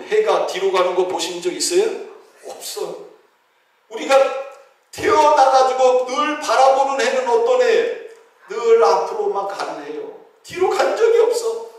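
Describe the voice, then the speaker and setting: A man pastor preaching a sermon in a church. He keeps asking the congregation questions and answering them, and he acts out the voices of biblical figures. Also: high voice. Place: church sanctuary. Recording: very echoey hall, heard from a distance.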